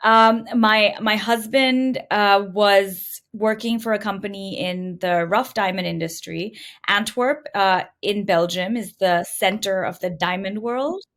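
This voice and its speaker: A middle-aged entrepreneur from India, appearing as a podcast guest, tells her own story in conversational interview answers. Her medium-pitched voice is fairly bright in tone and a little slow.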